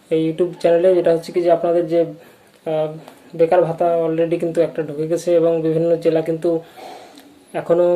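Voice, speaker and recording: A presenter with a West Bengal accent giving an informal update to viewers as a channel host, halting and repetitive like someone new to presenting. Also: medium pitch, warm tone, rough recording.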